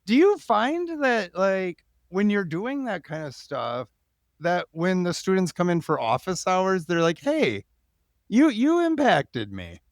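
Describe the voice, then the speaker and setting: Podcast host: man, high lively voice, informal, halting phrasing, casual interview chat. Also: no room sound, clean studio sound. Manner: informal, halting, thinking aloud.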